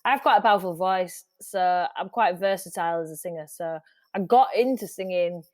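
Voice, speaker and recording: A woman's voice: lowish voice, fairly quick, no echo, studio quality. A middle-aged woman, a music industry guest, chatting casually in an interview with frequent restarts. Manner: chatty, restarts often, laughs easily.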